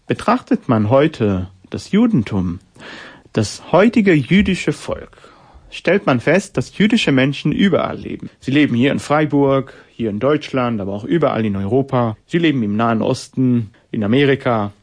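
A man in his late twenties from Israel, hosting a radio program with measured, rhetorical narration and interview questions. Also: medium pitch, very animated, a little mellow. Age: 20s. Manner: measured, rhetorical, list-like delivery. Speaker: radio host.

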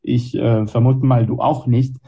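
A man's voice: mid-range voice, little pitch movement, measured pace, gravelly, mellow, breathy edge, lo-fi sound. A man in his twenties, born and raised in Israel with Hebrew as his first language, hosting a radio show with scripted narration and reflective interview questions. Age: 20s.

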